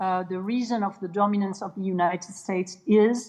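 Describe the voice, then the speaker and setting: A woman with a French accent speaks at a moderate pace in a medium pitch. Her intonation is fairly even, and her voice is somewhat breathy. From France. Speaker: former European politician and academic panelist. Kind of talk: conference speech. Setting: conference stage with audience. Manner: hesitant, with frequent fillers and repetitions.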